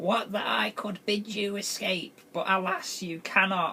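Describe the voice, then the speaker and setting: Using a put-on character voice, this female-sounding speaker talks at a fairly slow pace and a medium pitch for a woman. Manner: ominous, archaic.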